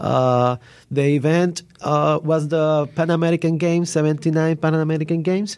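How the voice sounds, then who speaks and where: A man speaks with a Spanish accent at a moderate pace, in a fairly high pitch. His intonation is monotone and flat, and his loudness stays very even. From Puerto Rico. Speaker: filmmaker. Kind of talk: interview. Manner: halting.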